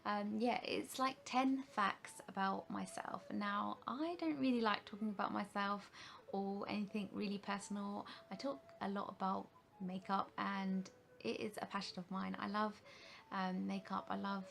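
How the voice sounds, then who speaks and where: A woman's voice: mid-range voice, level tone, normal speed, gravelly, a bit bright. A woman in her thirties from the UK, a makeup vlogger chatting to camera in a rambling way with many fillers and restarts. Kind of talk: casual rambling talk to camera.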